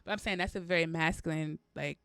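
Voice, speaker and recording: A woman's voice: deep voice, steady tone, quick pace, a bit bright, clear, resonant tone, dry recording. A woman co-hosting a podcast, speaking candidly in casual chat, full of "like" fillers and frequent laughter. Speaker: podcast co-host.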